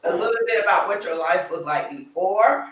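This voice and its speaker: A woman's voice: on the low side, a little fast, far from the mic, background noise. A woman hosting an interview show, reading a scripted welcome and then prompting her guest in a chatty way. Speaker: talk show host. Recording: roomy echo, away from the mic.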